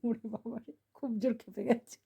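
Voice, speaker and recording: A woman with a fairly high voice talks to her kitten while she films at home. She coaxes it toward her in soft calls, then scolds it with firm reproach when it bites and plays rough. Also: fairly even intonation, brisk. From Bengal. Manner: coaxing and scolding a pet, shifting between soft calls and louder reproach. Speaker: vlogger.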